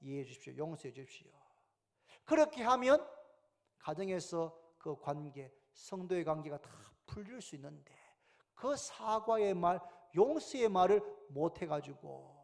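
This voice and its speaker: A male pastor with a Gyeongsang accent preaching a sermon in church, moving between loud emphatic calls and hushed, whispered asides. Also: high voice, big pitch swings, measured pace. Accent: Gyeongsang Korean. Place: church sanctuary.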